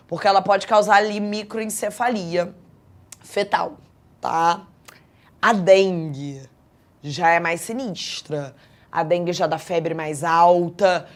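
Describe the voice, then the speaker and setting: A Brazilian woman teaching an exam prep class in a chatty, lively way, often checking in with her students. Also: medium pitch. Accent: Brazilian Portuguese.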